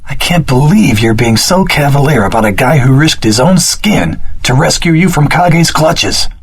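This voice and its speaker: An actor playing an earnest, determined young swordsman hero in a video game, with a husky voice and a wry, dramatic delivery. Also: a little high, animated, normal speed. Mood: indignant, resolute. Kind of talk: dramatic action-game character dialogue.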